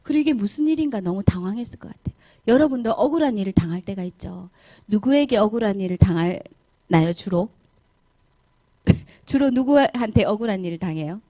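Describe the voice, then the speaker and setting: A woman, a pastor's wife, telling a Bible story to children in Sunday school, animated and asking them questions. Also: medium pitch, fairly quick, no room sound.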